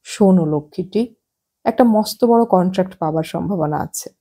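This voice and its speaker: A woman reading the part of an easygoing businessman husband in his thirties in an audiobook, in calm, coaxing talk. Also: fairly low pitch, normal speed, husky.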